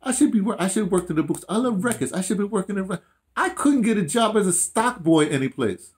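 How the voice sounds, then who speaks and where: A man in his late sixties or so, chatting casually about his life as an animated storyteller who often repeats phrases and quotes himself. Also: high voice, a little fast. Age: 60s or 70s. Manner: animated storytelling with frequent repetition and self-quoting. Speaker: audio dramatist telling his life story. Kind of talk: casual reminiscing chat. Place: small room at home, indoors.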